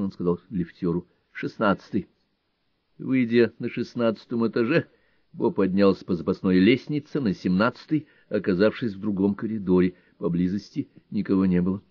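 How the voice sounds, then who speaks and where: A man reading a detective novel aloud in an even, measured storytelling manner. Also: on the low side, dry recording, muffled recording. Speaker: audiobook reader. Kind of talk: scripted narration.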